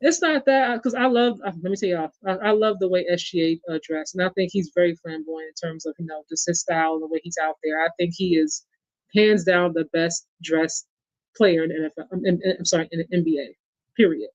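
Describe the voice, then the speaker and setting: A man's voice: sits high, brisk, no room sound. A man with a New York accent hosting a casual sports chat, talking to his listeners and reading their comments aloud. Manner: chatty, addresses the audience as y'all and reads viewer comments aloud. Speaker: podcast host. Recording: dull lo-fi sound.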